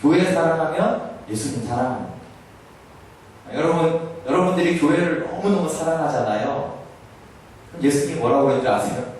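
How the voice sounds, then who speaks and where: Korean pastor preaching in an echoey hall. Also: male voice, a little high, expressive, fairly quick, long pauses, darkish tone, slight background noise. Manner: asks the listeners frequent questions, acts out Jesus's words. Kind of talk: sermon lecture to a congregation. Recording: very echoey room, voice heard from a distance.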